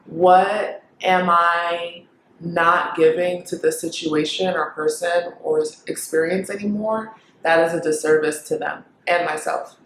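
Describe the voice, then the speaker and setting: A young woman from Kenya who grew up in the United States, talking casually to camera, thinking aloud with pauses and fillers. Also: fairly low pitch, steady tone, a bit bright, reverberant, slight background noise, low-quality recording. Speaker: vlogger.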